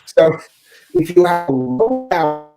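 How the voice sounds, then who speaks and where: A man's voice: extremely high pitch, huge pitch swings, a little slow, vocal fry, over music. A man hosting a live stream, explaining things in a chatty way while his online call audio breaks up and cuts out. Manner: chatty, explains with everyday comparisons. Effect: online call audio breaking up and cutting out. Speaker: host explaining audio gear.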